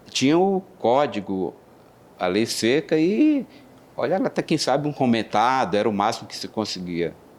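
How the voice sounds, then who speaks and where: With very wide pitch swings around a medium pitch, a man speaks at a moderate pace in a very clean recording with a silent background. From Maranhão, Brazil (rural Tuntum). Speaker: judge. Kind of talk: oral history interview.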